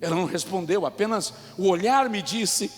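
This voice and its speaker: A Brazilian man with a Brazilian Portuguese accent preaching a sermon as a pastor. He tells personal stories and swings between hushed appeals and shouted peaks. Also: high-pitched, normal speed. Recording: long reverb with music underneath. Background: soft music.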